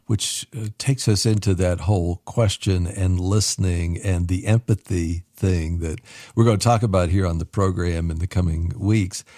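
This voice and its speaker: Male radio co-host, lowish voice, dry studio sound, friendly presenter. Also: fairly even intonation, normal speed, mellow, no echo. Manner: smooth, friendly presenter, reads phone numbers. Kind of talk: radio hosting.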